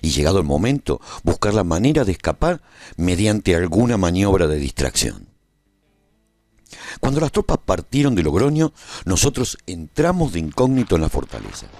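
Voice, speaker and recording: A man's voice: sits low, very animated, normal speed, a little mellow, no echo, heavily acted. A man playing a battle-seasoned adventurer, narrating his story in a scripted, dramatic first-person radio serial style. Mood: dramatic, solemn.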